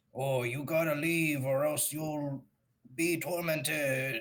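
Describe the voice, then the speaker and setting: A man's put-on character voice, fairly high in pitch, at a fairly slow pace with fairly even intonation. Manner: best impression of someone's voice, warning tone.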